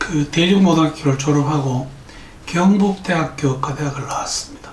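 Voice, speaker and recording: A man at a fairly slow pace with ordinary pitch variation, amid noticeable background noise and audible room echo. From South Korea, Daegu. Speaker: ENT doctor and scuba diving instructor. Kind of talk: self-introduction monologue.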